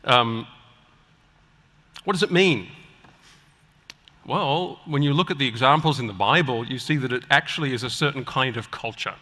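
A man preaching a sermon to a live audience with an emphatic, deliberate delivery and rhetorical pauses, in a large hall. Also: medium pitch, bright, forceful tone. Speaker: preacher and guest speaker at a church conference. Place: large indoor auditorium, speaking on stage. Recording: echoey large hall with long reverb.

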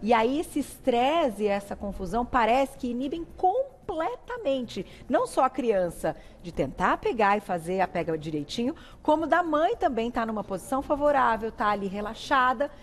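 Chatty Brazilian woman, higher voice. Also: very animated, normal speed, hardly any pauses, a little hiss or hum. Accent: Brazilian Portuguese. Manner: warm, chatty, emotional storytelling. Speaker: TV show host. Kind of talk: TV talk show chat.

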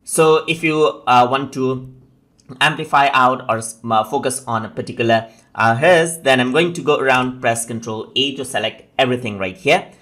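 Bright-voiced man narrating a tutorial. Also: medium pitch, moderate pace. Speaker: tutorial presenter.

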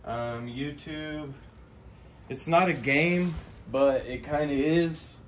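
A man's voice: fairly high pitch, slow pace, far from the mic, a little hiss or hum. A man hosting a casual vlog, folksy and heartfelt, laughing often as he talks. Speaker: channel host.

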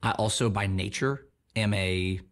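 A man's voice: lowish voice, a little slow. A man in his thirties giving a candid, self-deprecating personal testimony. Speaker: testimony speaker. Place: bright studio.

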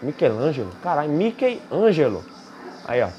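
A young Brazilian man with a Brazilian Portuguese accent, giving excitable gameplay commentary while racing and trash-talking the game. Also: on the high side, normal speed, lo-fi sound. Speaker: gaming YouTuber.

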